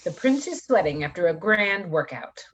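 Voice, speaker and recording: A woman's voice: lowish voice, very animated, moderate pace, a bit bright. A woman narrating stage directions from a script in an amateur staged reading.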